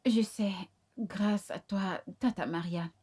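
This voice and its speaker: A woman dubbing a soft-spoken young mother who is affectionate and grateful. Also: medium pitch, slow, husky.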